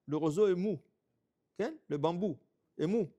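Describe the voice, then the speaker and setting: A man, a rabbi, telling stories in a sermon, animated, repeating phrases and checking in with "ok?". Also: high-pitched, measured pace, dull audio. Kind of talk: storytelling sermon.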